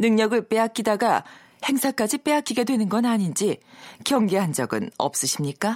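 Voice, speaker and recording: In an ordinary speaking voice with lively intonation, a woman is heard on a very clean recording with a silent background and a dry, close sound with no echo. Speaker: radio co-host. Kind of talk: reading aloud. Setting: radio studio.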